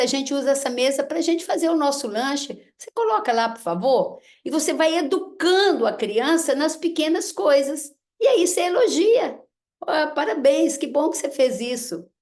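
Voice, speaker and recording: A woman giving a lecture on parenting, who keeps acting out what parents and children say. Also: high-pitched. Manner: animated, acts out parent and child lines. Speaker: speaker giving a talk on parenting. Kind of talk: lecture to an audience.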